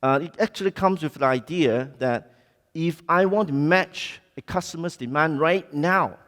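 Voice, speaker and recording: A man's voice: a little high, a bit bright. Hong Kong man speaking in an echoey hall. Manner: halting, informal, non-native English phrasing. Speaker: conference speaker. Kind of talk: conference presentation. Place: conference hall. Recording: echoey hall, long reverb.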